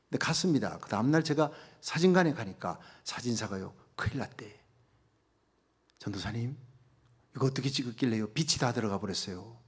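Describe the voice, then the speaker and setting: A middle-aged male pastor giving a sermon, telling a story in a hushed voice and rising to loud, fervent preaching. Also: medium pitch, breathy edge.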